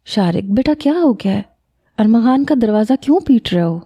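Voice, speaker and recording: A woman's voice: on the high side, lively intonation, dark tone, husky. Woman voicing a stern scolding mother. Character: stern middle-aged mother, protective. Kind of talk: storybook reading.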